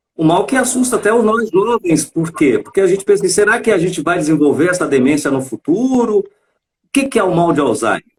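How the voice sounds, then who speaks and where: His high-pitched voice moves through very wide pitch swings while the man keeps a very even loudness. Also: fairly quick pace. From Brazil, São Paulo. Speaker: show host. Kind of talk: interview.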